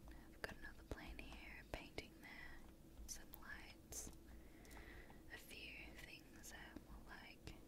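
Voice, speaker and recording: Very slow speech with long, frequent pauses over loud background noise. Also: woman. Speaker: ASMR gaming content creator. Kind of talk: casual ASMR gameplay commentary, whispered house tour. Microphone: studio mic.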